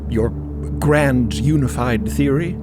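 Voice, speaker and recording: Guy as a serious ship crewman in an audio drama, slow deliberate questioning, loud music bed. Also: medium pitch, close to an everyday voice. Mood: grave, searching. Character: grave, questioning male crewman of a cosmic ship.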